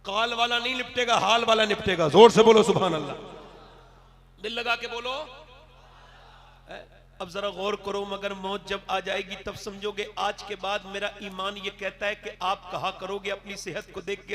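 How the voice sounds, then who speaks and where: Male Muslim preacher, rally-style sermon oratory, very high-pitched with a gravelly edge, commanding and exhorting his listeners. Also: flat delivery, moderate pace, a crowd in the background. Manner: swings between hushed storytelling and loud shouted declarations. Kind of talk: impassioned sermon oratory to a congregation, like a rally speech.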